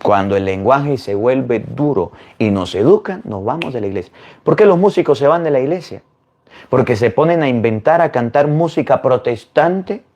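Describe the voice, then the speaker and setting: A man, a Catholic priest, preaching to viewers in an animated way, firing rhetorical questions. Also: mid-range voice, highs cut off.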